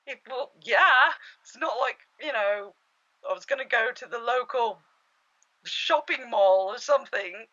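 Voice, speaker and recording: Woman playing a high, plucky, awkward young woman. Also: bright, forceful tone, lo-fi sound. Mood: sheepish. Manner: flustered, halting, downplaying. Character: plucky, self-effacing young woman scavenger, awkward and upbeat. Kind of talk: naturalistic conversational cartoon spoof dialogue.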